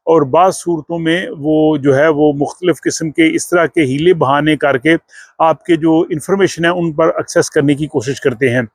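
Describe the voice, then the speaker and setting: A vlog host with a somewhat high voice explains the news to his viewers, frequently pausing on filler words. The recording is very dry, with no room sound.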